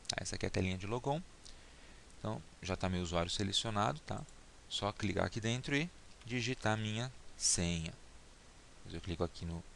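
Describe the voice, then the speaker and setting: A man teaching in a relaxed screen-recorded tutorial, narrating each click and often checking in with "tá?". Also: fairly low pitch, gravelly. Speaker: instructor. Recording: faint hiss and mouse clicks.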